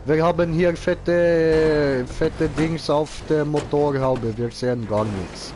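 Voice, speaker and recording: A man's voice: fairly high pitch, fairly even intonation, very slow, background noise. A man giving casual live gaming commentary in clownish, slangy broken grammar, as a streamer. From Switzerland. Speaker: game streamer.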